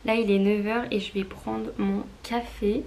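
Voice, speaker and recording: A young woman talks casually to her viewers. Her pitch is mid-range and stays quite even, and she sounds informal and confiding. There is slight noise behind her voice. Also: a little slow, vocal fry, poor audio. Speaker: vlogger. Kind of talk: casual chat to camera.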